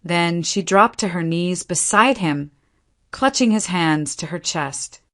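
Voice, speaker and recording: Slow, low-voiced woman narrator. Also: animated. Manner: slow, measured storytelling. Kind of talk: scripted narration.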